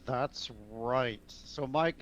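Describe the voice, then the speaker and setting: A man co-hosting a casual sports podcast, relaxed and halting, with lots of fillers. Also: mid-range voice, muffled recording. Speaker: podcast co-host.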